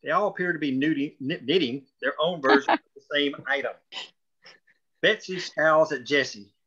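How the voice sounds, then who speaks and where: Bright-voiced man reading stage directions. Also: a little high, moderate pace, breathy edge, lo-fi sound. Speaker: narrator reading stage directions at a script table read. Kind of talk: scripted narration of screenplay directions.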